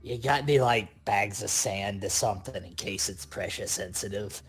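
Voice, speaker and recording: A man voicing an eager, wary goblin demolitionist in a tabletop game, excitable and wisecracking. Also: on the low side, moderate pace, husky. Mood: puzzled, scheming.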